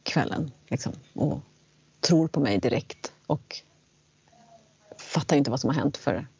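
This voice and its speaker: A woman telling a personal story in casual conversation, animated, acting out quoted lines. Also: very deep voice, vocal fry, breathy edge, highs cut off. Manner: animated, acts out quotes in English.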